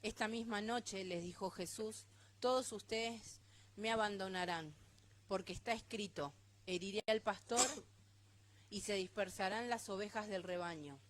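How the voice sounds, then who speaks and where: A woman reading a Bible passage aloud in a steady, measured way during a church service. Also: medium pitch. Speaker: scripture reader.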